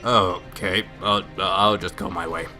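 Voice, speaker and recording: Man putting on a low, laconic soldier hero. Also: fairly even intonation, unhurried, bright, forceful tone, faint music behind, heavily acted. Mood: deadpan, resigned. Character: gruff, laconic male soldier hero of a game.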